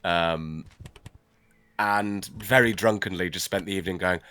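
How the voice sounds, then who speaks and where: A Welsh-speaking man chatting casually as a guest while they play a game. His voice is slightly low but bright and forceful. He is playful and slips into quick impressions and accents. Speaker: guest voice actor. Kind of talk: casual chat while gaming.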